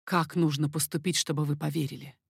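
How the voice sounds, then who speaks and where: A woman voicing an amorous, confident king in a storybook reading, lowering her voice and speaking slowly and insistently. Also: steady tone, creaky, breathy edge, no room sound, clean studio sound, exaggerated voice. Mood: ardent. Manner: low, slow, insistent. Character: amorous middle-aged man, a king, confident and ardent.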